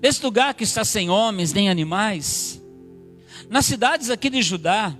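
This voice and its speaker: A man's voice: high voice, animated, measured pace, fairly bright tone, faint music behind. A man pastor preaching a sermon in church, reading scripture and building up with emphatic repetitions.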